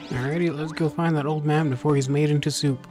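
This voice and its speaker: A man chatting casually as he livestreams a game, informal and thinking out loud. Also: fairly high pitch, fairly even intonation, fast talker. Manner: informal, chatty, muses aloud. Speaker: game streamer. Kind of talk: casual livestream chat over gameplay. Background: game music.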